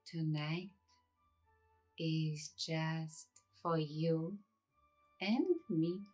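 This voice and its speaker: Very slow, hushed woman, ASMR meditation. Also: sits low, fairly even intonation, soft background music. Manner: hushed, unhurried, with long pauses between short phrases. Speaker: ASMR host and meditation guide.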